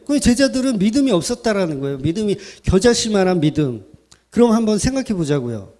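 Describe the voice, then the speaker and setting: A man's voice: sits high, dark tone. A man preaching a sermon at a summer retreat as pastor, chatty and joking, asking the audience rhetorical questions.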